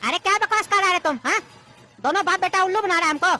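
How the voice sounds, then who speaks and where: A woman voicing a suspicious ticket checker in a cartoon comedy, scolding and gruff. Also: very high voice, quick pace.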